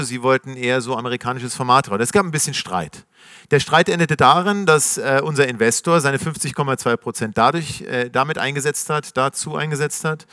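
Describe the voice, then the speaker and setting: A middle-aged man telling his founder story to a live audience in a casual, slangy, animated way, acting out the voices of the people he quotes. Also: medium pitch, no room sound, studio quality. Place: stage before a live audience.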